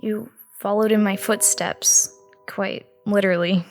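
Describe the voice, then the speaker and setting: Woman acting a slow, creaky-voiced ghostly aunt. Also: mid-range voice, fairly even intonation, soft background music. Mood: solemn, tender. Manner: measured, cryptic. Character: lost aunt, solemn, knowing, ghostly apparition. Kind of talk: audio drama acting.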